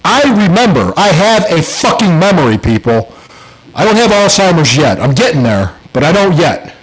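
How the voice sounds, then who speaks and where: Husky middle-aged man, heated sports talk. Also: on the high side, big pitch swings, moderate pace, rough recording. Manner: heated, profane storytelling. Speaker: podcast co-host. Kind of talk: casual sports chat.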